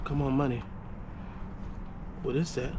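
A man in his thirties vlogging outdoors at a storage lot, joking and excited as he digs through bins. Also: medium pitch, a little slow, noisy background. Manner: excitable, joking, talks to camera. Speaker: storage unit buyer. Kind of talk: casual vlog while unboxing. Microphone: camera mic, handheld close.

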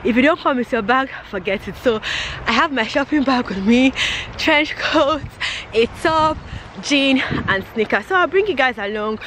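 A young woman with a Nigerian accent chatting casually to camera as she walks outside, filming at arm's length in an animated manner. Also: high-pitched, normal speed. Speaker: vlogger. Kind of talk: casual vlog chat to camera. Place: outdoors on a grassy path by railway. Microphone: handheld camera at arm's length. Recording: outdoor noise, passing traffic ambience.

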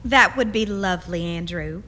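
An actress playing a gracious, polite frontier hostess in a radio drama, speaking courteously and genteelly. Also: female voice, lowish voice, normal speed, pushed and bright. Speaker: actor. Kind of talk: stage-like radio drama acting. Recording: clear background noise, clinking dishes.

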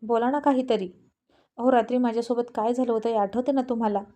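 A woman's voice: on the high side, steady tone, quick pace, warm tone, close to an everyday voice. A woman voicing a worried, insistent young pregnant wife in a spoken story, pleading and stubborn.

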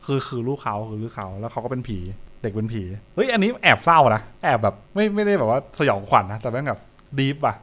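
A man's voice: mid-range voice, sing-song, fast talker, fairly bright tone. A young adult man, giving casual live reaction commentary and repeating short phrases as he thinks aloud. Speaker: streamer reacting to horror comics. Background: music.

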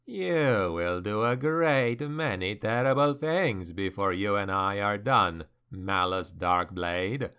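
A man voicing a sly, amused ancient male demon who speaks slowly and knowingly. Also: on the low side, expressive, bright, forceful tone, smooth, exaggerated voice. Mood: mocking. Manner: slow, knowing, mocking.

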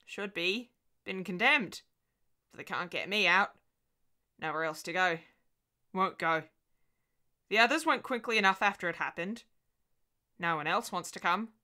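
A woman's voice: on the low side, measured pace, pauses often, bright, forceful tone. A woman voicing a crazed old woman who lives in a condemned house, speaking in clipped, brooding phrases that rise into agitation. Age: older.

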